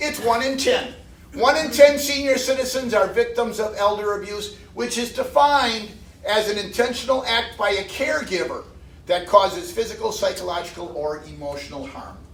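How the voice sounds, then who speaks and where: Someone with an American accent talks at a moderate pace, with lively intonation and big swings in loudness. Noticeable background noise and audible room echo fill the recording. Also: man, extremely high pitch for a man. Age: 70s. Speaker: trivia quiz host. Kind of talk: live trivia quiz with audience. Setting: room with live audience.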